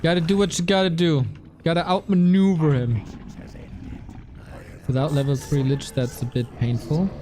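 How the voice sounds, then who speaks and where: A man's voice: fairly high pitch, fairly even intonation, normal speed, pauses often, darkish tone, a little hiss or hum. A man doing live gaming commentary as a streamer, full of exclamations and muttered grumbles. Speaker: game streamer.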